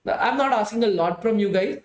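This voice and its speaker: Tired, high-voiced man teaching live. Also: fairly quick, reverberant. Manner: chatty, repeats "guys" often, pleads for likes. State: tired, strained voice from hours of talking. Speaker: bootcamp instructor. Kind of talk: live-streamed coding class wrap-up.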